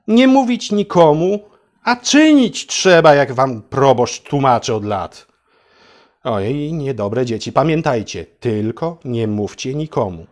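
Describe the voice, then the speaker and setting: A man who hosts a channel narrates a satirical fairy tale for adults, delivering it theatrically and mock-solemnly as though speaking to children. His voice is medium-pitched and a little mellow.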